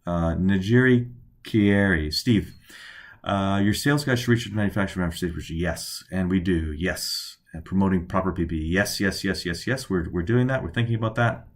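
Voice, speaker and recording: A man's voice: sits low, fairly quick. Upbeat CEO man answering viewer questions. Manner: reads out viewer questions and answers them off the cuff, jokey and upbeat. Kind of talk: casual livestream Q&A.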